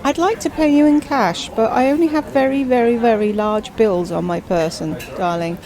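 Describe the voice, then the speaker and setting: A woman's voice: on the high side, normal speed, a crowd in the background, natural voice. A woman voicing a chatty, self-absorbed widowed queen who drawls with grand theatrical emphasis. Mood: grandiose.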